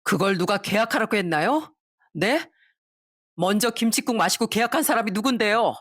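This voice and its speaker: Woman reading a firm son-in-law, measured, mid pitch, dry close sound, storybook reading. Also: expressive, a bit bright, breathy edge, no echo. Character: firm, calm son-in-law standing his ground.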